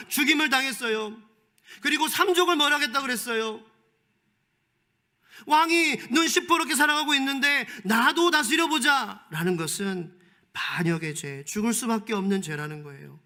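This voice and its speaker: High-voiced emphatic male pastor. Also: a little fast, bright, forceful tone. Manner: emphatic, rhetorical questions to the congregation; switches between formal and casual speech. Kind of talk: sermon.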